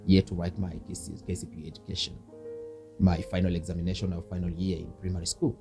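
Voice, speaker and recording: A man's voice: sits low, flat delivery, fast, vocal fry, music in the background. A Kenyan man speaking as an interview guest, an earnest, devout Christian minister giving personal testimony in conversation.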